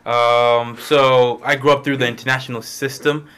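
A young adult man from Malawi, an international student, shares his personal testimony with a small group in an informal, conversational way. His mid-range voice is level, clean, and fairly bright, at a moderate pace.

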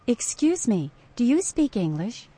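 An actress playing a polite traveler asking questions in a textbook dialogue. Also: female voice, a little high, very animated, measured pace, mellow. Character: polite female traveler at an airport.

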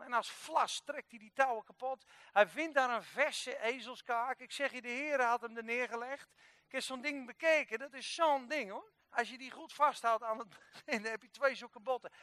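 A man preaching a sermon, telling a Bible story in a lively way and acting out the characters, with sudden jumps from quiet to loud. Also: very high-pitched, no echo.

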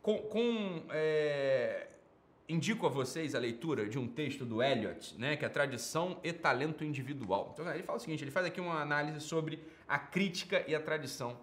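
High-pitched Brazilian man, emphatic talker. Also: lively intonation, brisk. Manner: opinionated, emphatic, repetitive, slangy and profane. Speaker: host of a commentary program. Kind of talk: informal off-the-cuff cultural commentary.

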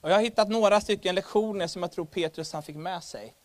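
Preacher guy, lively and funny, kinda high voice, gets loud sometimes. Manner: animated, humorous, rises to loud emphasis. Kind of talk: sermon.

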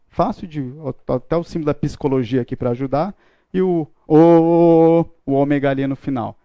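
A playful man teaches a live class, his voice mellow and a touch high. The sound is dry and close, with no room echo. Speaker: Bible teacher. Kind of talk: classroom lecture.

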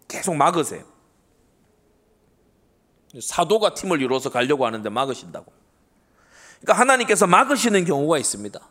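A man's voice: on the high side, very animated, brisk, long pauses, a bit bright. A middle-aged man preaching a Sunday sermon to his congregation, earnest and emphatic, often asking rhetorical questions and answering them. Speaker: pastor.

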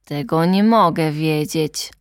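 A pompous old geographer drawls out his lecture from behind his desk, as a woman reading a storybook puts him on. He talks slowly and weighs every word in a dry, close sound. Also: sits low, dry recording. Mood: lecturing. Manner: slow, lecturing, self-important.

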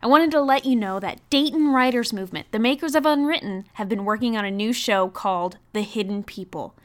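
Higher-voiced woman, scripted podcast announcement. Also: fairly quick. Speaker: cast member presenting a podcast.

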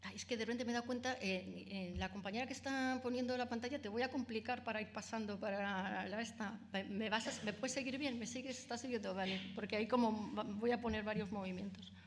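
A woman with a Spanish accent from Spain delivers an academic lecture in a somewhat high voice. She builds her points patiently, often tagging sentences with little questions to the audience and pausing on fillers. She speaks to a room of listeners. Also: fairly even intonation. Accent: Peninsular Spanish. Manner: explanatory, frequent tag questions and fillers. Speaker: author giving a lecture.

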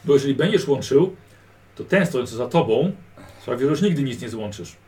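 A man's voice: mid-range voice, lively intonation, a little fast, warm tone. A man running a tabletop role-playing game, coaching a player's character in a patient, instructive manner. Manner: patient, instructive, drill-like repetition. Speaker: game master. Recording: distant mic with background noise.

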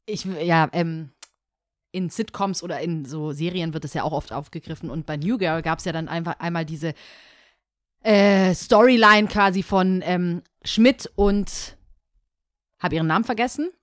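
A woman's voice: lowish voice, unhurried, dry recording, clean studio sound. A woman in casual chat, talkative, agreeing often and retelling stories.

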